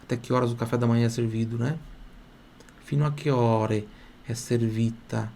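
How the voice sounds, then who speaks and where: A man leads a live online Italian lesson, speaking at a middle pitch. He patiently repeats each phrase in slow, careful drills and keeps urging students to say them out loud. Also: flat delivery, gravelly, slight background noise. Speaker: Italian teacher.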